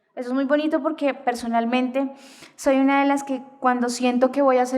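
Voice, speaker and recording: Moderate pace and fairly even intonation amid audible room echo. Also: woman. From Colombian Amazon, La Chorrera. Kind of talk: panel commentary at a lecture. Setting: lecture hall with audience. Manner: hesitant, with fillers.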